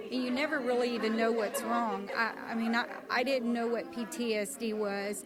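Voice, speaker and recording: A woman speaks in an American accent at a moderate pace, her fairly high voice monotone and flat. Crowd noise sits in the background, and the room echo is audible. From US South. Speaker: military veteran and author. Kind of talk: interview testimony. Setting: live event.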